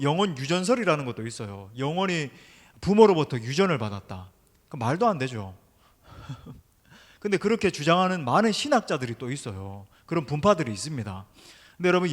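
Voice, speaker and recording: A middle-aged man preaches with emphasis, turning again and again to address the congregation directly. His voice sits a little high for a man. The sound rings with the long reverb of a large church sanctuary. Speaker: senior pastor. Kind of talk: sermon. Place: church sanctuary during an evening service.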